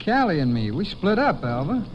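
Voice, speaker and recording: An actor playing a young prodigal brother in a 1950s radio western, earnest and insistent, with an American Western accent. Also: male voice, sits high, very animated, normal speed. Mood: defensive. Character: young prodigal cowboy brother, pleading, aggrieved. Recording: muffled, noisy old radio recording.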